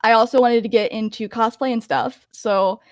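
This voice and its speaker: A woman's voice: fairly even intonation, moderate pace, no echo. A young woman voice actor answering interview questions casually, with many fillers and restarts. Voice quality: higher-pitched voice. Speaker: voice actor guest.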